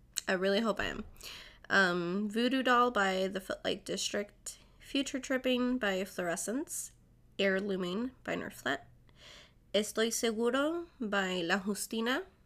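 On a very clean recording with a silent background, a woman at medium pitch speaks fairly slowly with lively intonation. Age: 20s. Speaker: pop culture podcast host. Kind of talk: casual solo podcast chat. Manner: animated.

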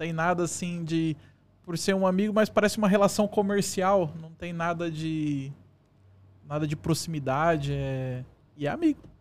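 A man speaks at a moderate pace in a high voice with ordinary pitch variation. His loudness swings widely, and he takes long, frequent pauses. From Brazil, Rio de Janeiro.

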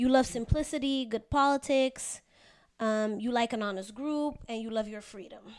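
In an ordinary speaking voice, a woman talks at a fairly high pitch with ordinary pitch variation and big swings in loudness, on a very clean recording with a silent background. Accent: American. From came to the US as a child from abroad. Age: 30s. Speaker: podcast guest. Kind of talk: casual chat. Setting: studio. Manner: fast.

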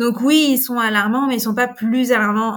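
A woman's somewhat breathy voice moves at a moderate pace with fairly even intonation, in a very clean recording with a silent background. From Réunion. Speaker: podcast co-host. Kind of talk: casual chat.

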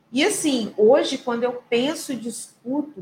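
A woman's voice comes across as somewhat breathy. Her pitch shows ordinary variation. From Brazil, Juiz de Fora (Minas Gerais). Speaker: organizational psychologist. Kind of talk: podcast interview. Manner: animated.

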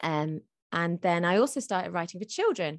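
A woman with a British accent and medium pitch talks at a moderate pace, with a dry, close sound with no echo and a quiet background. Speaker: author and charity founder. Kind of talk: casual interview chat.

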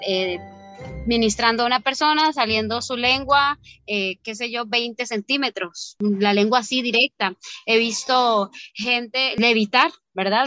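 A woman's fairly high, bright, sharp voice with ordinary pitch variation at a fairly slow pace, in a dry, close sound with no echo. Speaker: pastor. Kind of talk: testimony.

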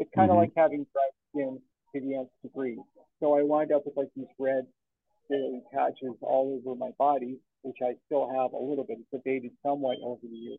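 A man speaks in a normal speaking voice at medium pitch and a fairly quick pace. His intonation is fairly even, but his loudness swings a lot. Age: 50s. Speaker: novelist. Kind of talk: casual interview.

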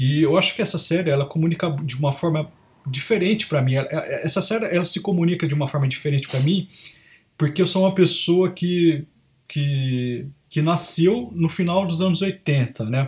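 This man's voice is high in pitch, with pitch variation that is ordinary. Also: moderate pace. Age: 30s. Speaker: podcast host. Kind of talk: solo monologue podcast. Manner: halting, many repetitions and fillers.

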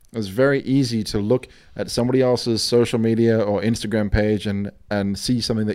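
In a very clean recording with a silent background, a man with an Australian accent speaks in a dark, mellow tone. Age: 30s. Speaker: startup strategist and designer. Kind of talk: casual interview. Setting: co-working office.

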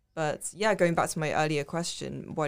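A woman speaks at a fairly quick pace in a very deep, low register with vocal fry and fairly even intonation, on a very clean recording with a silent background. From London, England. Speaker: podcast host, student journalist. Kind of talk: roundtable discussion.

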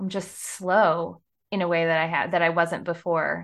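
A woman speaks at a moderate pace in a fairly low pitch, with vocal fry and a monotone, flat intonation, over a quiet background. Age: 40s. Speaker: polyamory coach and podcast host. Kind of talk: casual chat.

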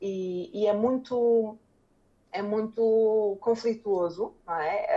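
This woman's voice has a fairly high pitch and a dark, mellow tone. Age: 30s. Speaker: coach and mentor. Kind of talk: conversational interview. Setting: Instagram live video call.

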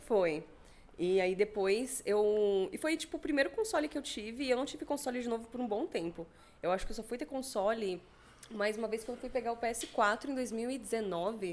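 Using a normal speaking voice, a woman talks at a moderate pace with a fairly high pitch and lively intonation. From São Paulo metro area, Brazil. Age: 20s. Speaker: gaming and pop culture presenter. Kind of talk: casual podcast interview.

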